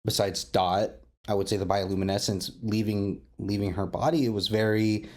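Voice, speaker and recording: A man's voice: fairly low pitch, fairly even intonation, normal speed. A man talking casually in a podcast roundtable, thinking aloud and often repeating words as he goes. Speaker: podcast panel interviewer.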